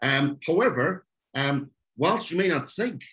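An Irish man presents an online talk with earnest conviction. His voice moves lively up and down, and he leans on small fillers as he goes. It sounds like a video call. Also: a little high, measured pace. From Ireland. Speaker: speaker. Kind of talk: webinar talk.

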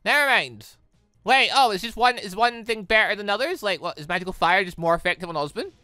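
Excitable British gamer, dry close sound. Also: medium pitch, brisk, no echo. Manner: excitable, rambling, self-interrupting. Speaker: gaming video host. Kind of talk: let's play commentary, reading dialogue aloud. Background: game music.

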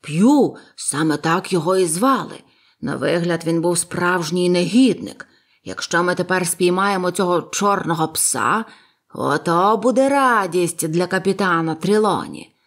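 Long John Silver, a woman doing a loud bluff sea cook. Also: on the low side, unhurried. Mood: scheming. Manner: loud, blustering, bossy. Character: bluff, loud one-legged old male ship's cook. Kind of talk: audiobook character voice.

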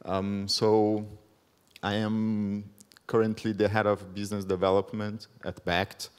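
In a large conference hall, a man from Brazil in his thirties gives a presentation at the podium microphone. His voice sits low, and his non-native English, Brazilian-accented since he grew up speaking Portuguese, comes out careful and measured with plenty of ums.

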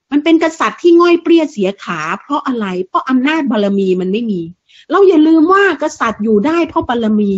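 A woman's voice: high voice, breathy edge. A woman giving a fiery, blunt political monologue, crude and mocking, full of rhetorical questions. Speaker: political commentator. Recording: dull lo-fi sound.

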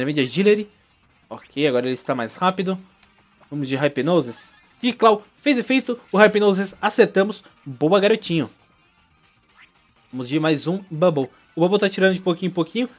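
Brazilian guy doing jokey playthrough commentary, chats at the game characters, kinda high voice. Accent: Brazilian Portuguese. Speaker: gaming YouTuber.

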